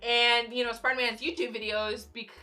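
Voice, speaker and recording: A young woman chats through a casual vlog in a bright, somewhat high voice, her throat slightly hoarse. She rambles excitedly with plenty of fillers and stray laughs, and soft music sits faintly behind her. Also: normal speed. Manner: rambling, animated fangirl talk with frequent fillers and laughs. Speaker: YouTuber.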